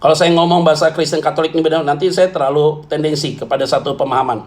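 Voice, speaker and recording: High-voiced blunt joking pastor, a man. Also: steady tone, rapid-fire, darkish tone. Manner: blunt, joking, colloquial, calls listeners "saudara". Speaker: pastor answering questions. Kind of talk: church Q&A talk.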